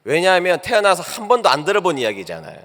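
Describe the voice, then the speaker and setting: A man's voice: sits high, wildly swooping pitch, quick pace, a bit bright. A male pastor preaching a sermon, telling a personal story and acting out both sides of a phone call. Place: church sanctuary. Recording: long church hall reverb.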